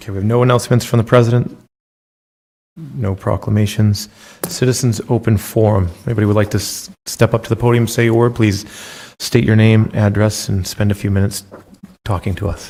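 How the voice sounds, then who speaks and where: A man's fairly low, somewhat breathy voice with a dark, mellow tone, fairly even intonation and a fairly quick pace. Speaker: town council chair. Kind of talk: chairing a council meeting. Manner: halting.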